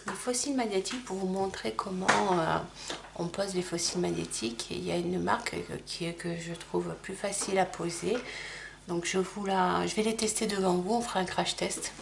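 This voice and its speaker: A middle-aged woman talks her viewers through a makeup tutorial in a relaxed, chatty way. She keeps apologizing for small slips, and faint clicks and handling noises come from behind her. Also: on the low side, normal speed, vocal fry, slight background noise. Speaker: makeup vlogger. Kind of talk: casual makeup tutorial chat.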